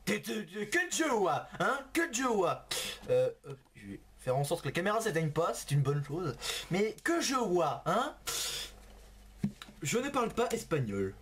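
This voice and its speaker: A man's voice: high voice, big pitch swings, moderate pace, a bit bright, breathy edge. A man hosting a gaming video in casual commentary, laughing often and exclaiming while he types to a chatbot at his computer. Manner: giggly, exclaiming, talking to a chatbot.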